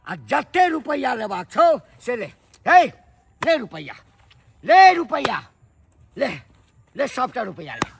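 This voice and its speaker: An actor playing a proud, angry old rich father with a Maithili accent, boastful and shouting threats. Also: very high-pitched, very animated, slow, creaky, pauses often, a little hiss or hum, full character voice. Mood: vengeful. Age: older.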